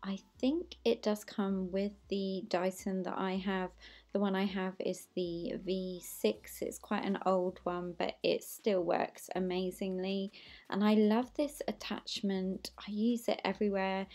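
Young uk woman chatting thru a cleaning vlog voiceover, middle pitch, easy friendly talk. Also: steady tone, a little slow, darkish tone. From United Kingdom. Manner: chatty, friendly explaining to viewers. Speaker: cleaning vlogger. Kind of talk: casual voice-over narration.

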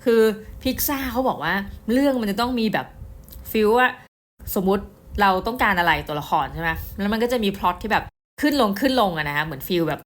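A middle-aged woman giving a casual book review, chatty and excitable, often speaking straight to her viewers. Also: mid-range voice, moderate pace. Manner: chatty, addresses viewers directly, excitable storytelling.

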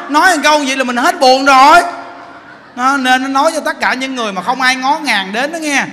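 A man with a Southern Vietnamese accent giving a Buddhist sermon as teacher, telling stories in an animated, joking way. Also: very high voice. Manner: animated, joking storyteller, laughs often. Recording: echoey hall, faint noise.

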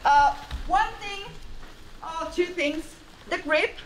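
A woman in her thirties from Finland with a Finnish accent, teaching a live jiu-jitsu technique class in a loud, plain, halting way. She is recorded by a far camera in a large, bright mat hall with windows. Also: extremely high pitch.

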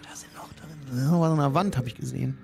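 Fast-talking and creaky, this northern German man has a mid-range, darkish voice. Acting as the backseat advisor on a gaming let's play, he teases the player in loose, colloquial commentary and tends to say things more than once.

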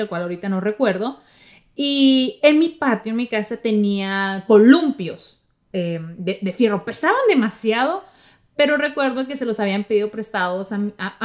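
A woman from Mexico with a Mexican accent, hosting a podcast and telling stories in a chatty way, talking straight to her listeners. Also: on the high side. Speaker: podcast host. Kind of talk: casual podcast monologue.

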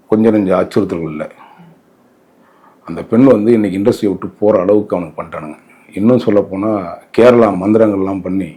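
A man's voice: lowish voice, warm tone, breathy edge. Indignant Tamil Nadu man, emphatic talker. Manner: emphatic, indignant, with rhetorical questions. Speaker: interview guest giving commentary. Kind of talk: opinionated interview talk.

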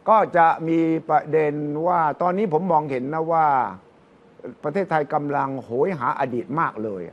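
Older male pundit, high-pitched, chatty storyteller who acts out quotes. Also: moderate pace, lo-fi sound. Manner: animated storytelling, quotes others in lively voices. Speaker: political commentator. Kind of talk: casual political discussion.

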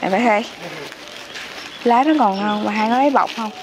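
A woman's voice: on the high side, normal speed. A young woman with a southern Vietnamese accent, chatting in a familiar, exclamatory way as a street vendor and vlogger. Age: young adult. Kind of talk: casual chat with customers and viewers. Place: open roadside yard outdoors. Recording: outdoor street noise behind voice.

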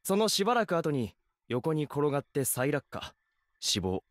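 An actor playing a calm male detective explaining a case, in a measured explanatory delivery for a game. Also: fairly high pitch, dry recording, studio quality. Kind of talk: Japanese game voice acting.

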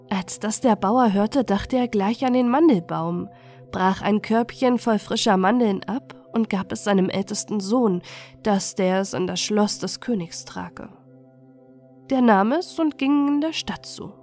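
A woman narrating a fairy tale as a calm, soothing bedtime story. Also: mid-range voice. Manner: gentle, soothing.

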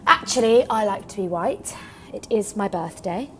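A woman's voice: mid-range voice, expressive, moderate pace, fairly bright tone, slight background noise, lightly acted. A woman acting in an audio drama as a brittle, controlling, moth-obsessed scientist, speaking in a fussy, repetitive, coaxing way. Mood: eerily controlled.

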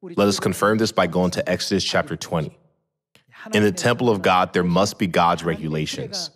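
A middle-aged man preaching a sermon at a pulpit, measured and posing rhetorical questions he then answers. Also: sits low, fairly bright tone. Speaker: pastor. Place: large church hall, at a pulpit. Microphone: podium microphones.

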